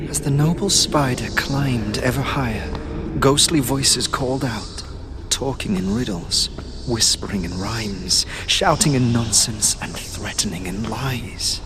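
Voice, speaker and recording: An actor playing a sinister nightmare trickster in an audio drama, telling a dark fairy tale in taunting, drawn-out, sing-song rhyme. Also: mid-range voice, background noise, close to an everyday voice. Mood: ominous, luring.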